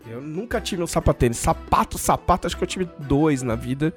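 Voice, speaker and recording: Male Brazilian podcaster, high voice, highly expressive pitch, slangy mock-outraged banter. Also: fairly quick, soft background music. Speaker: podcast co-host. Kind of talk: casual bantering chat.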